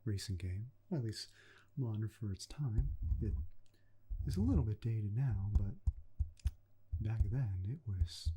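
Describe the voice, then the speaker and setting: A man puts on an earnest, folksy video game repairman for ASMR roleplay. His voice is very mellow and breathy, often close to a whisper. He tells his story gently and unhurriedly, with a lively rise and fall in pitch, right at the microphone. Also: a little slow, pauses often, exaggerated voice, rough recording. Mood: wistful storytelling.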